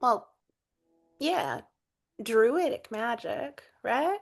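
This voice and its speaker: A woman plays an earnest adventurer in a tabletop fantasy game. The voice is fairly high and animated, yet unhurried. The manner is emphatic, proud and a little defensive. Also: vocal fry, faint music behind, full character voice. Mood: curious.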